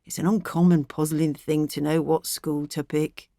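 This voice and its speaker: A woman's voice: deep voice, little pitch movement, moderate pace, mellow, dry recording, clean studio sound. A woman voicing a stubborn, blustering middle-aged miller with a rural English accent, in emphatic, ruminating dialect, for an audiobook. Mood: pondering, stubborn.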